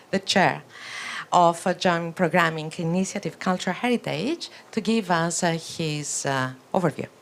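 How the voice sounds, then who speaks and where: A woman's voice: mid-range voice, a bit bright. A woman moderating a conference session, formal and often hesitant.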